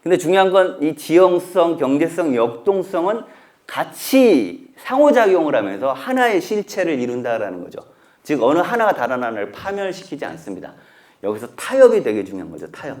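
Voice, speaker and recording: Animated storytelling male professor. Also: fairly high pitch, fairly quick. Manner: animated storytelling, acting out quoted lines; conversational, asks listeners to look closely. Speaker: professor giving a public lecture. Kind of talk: humanities lecture.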